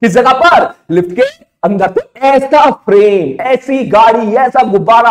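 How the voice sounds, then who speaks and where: Brief: high-pitched man, physics tutor, chatty lecture, quizzes the class aloud. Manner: conversational, asks and repeats questions. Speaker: physics teacher. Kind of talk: lively exam-prep lecture.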